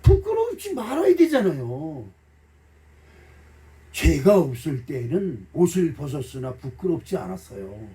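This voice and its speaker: A middle-aged pastor preaches in a church sanctuary, folksy and emotional, acting out little dialogues and throwing blunt jokes at the congregation. His voice is fairly high and mellow with huge pitch swings, his pace measured, and the mic sits at a distance.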